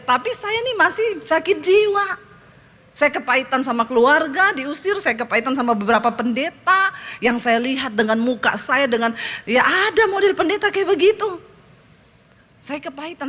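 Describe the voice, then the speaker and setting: A middle-aged woman pastor telling a humorous testimony in a sermon, lively and joking, with acted-out quotes, on a church stage. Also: high voice.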